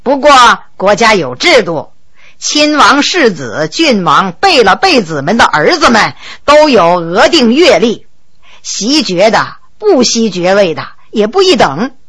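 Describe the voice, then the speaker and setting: A woman's voice: sing-song, unhurried, a bit bright, slightly rough, heavily acted. A woman doing a genial, shrewd emperor. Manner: genial, coaxing, lowered voice. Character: male emperor, middle-aged, genial and shrewd.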